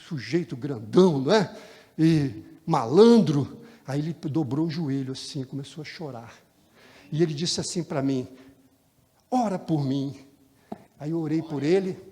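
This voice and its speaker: A man, preaching a sermon and telling stories, animated and talking straight to the congregation in a church. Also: on the high side. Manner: animated, talks directly to the congregation. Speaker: pastor. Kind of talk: sermon with storytelling. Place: church sanctuary. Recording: long church hall reverb.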